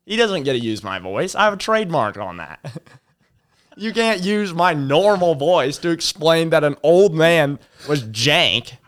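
A young man chatting casually on a podcast, telling rambling stories in a relaxed way and laughing often. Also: on the high side, measured pace. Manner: rambling, laid-back storyteller, laughs a lot. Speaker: podcast co-host. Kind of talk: casual chat.

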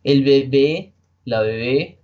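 Venezuelan man in his twenties, relaxed podcast guest explaining words, average pitch, slightly dull recording. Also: takes it slowly. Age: 20s. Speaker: guest, Spanish teacher. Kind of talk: podcast interview.

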